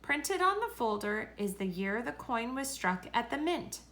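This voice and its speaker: A woman reading a children's story aloud in a deliberate, expressive way. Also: a little high. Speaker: story reader.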